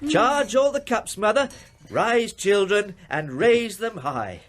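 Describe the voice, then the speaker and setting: An actor playing a kindly, poor Victorian father in a radio drama, hearty and gently reproving. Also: high voice, animated, slow pace, slight background noise, full character voice. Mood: jubilant.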